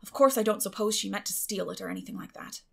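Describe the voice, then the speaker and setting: A woman voicing a stern, suspicious middle-aged farm woman with a sharp, grim way of talking in an audiobook. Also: mid-range voice, fast, vocal fry, husky. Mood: troubled. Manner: sharp, grim, clipped scolding.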